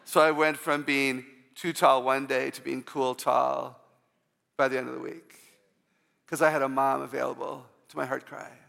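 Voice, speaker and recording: Woman, low voice, gravelly, inspirational church speaker, humorous storytelling, reverberant hall. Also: little pitch movement, moderate pace, fairly bright tone. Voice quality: low voice, often mistaken for a man's. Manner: storytelling, humorous, with audience call-outs.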